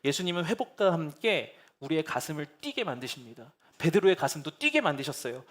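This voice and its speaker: A male pastor preaching a sermon in an earnest way, moving from soft consoling words to fervent pleading. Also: on the high side, very animated, fairly quick. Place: church sanctuary.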